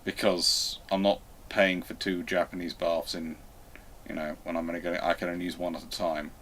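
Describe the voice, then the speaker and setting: A man with a fairly low voice hosts a casual live stream. He rambles chattily as he takes questions and talks them through. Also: little pitch movement, normal speed, fairly bright tone, slight background noise.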